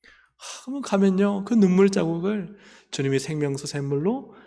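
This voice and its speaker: A man preaching a sermon as pastor, impassioned, swinging from loud high cries down to near whispers. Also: expressive, moderate pace, gravelly, long reverb tail. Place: church sanctuary.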